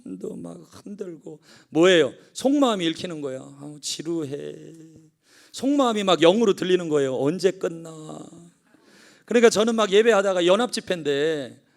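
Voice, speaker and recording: A middle-aged male pastor with a notably high voice delivers a Korean-language sermon. He tells a family story and shifts between quiet confiding moments and fervent exhortation. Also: lively intonation, fast talker, few pauses. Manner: storytelling, swings from hushed to fervent.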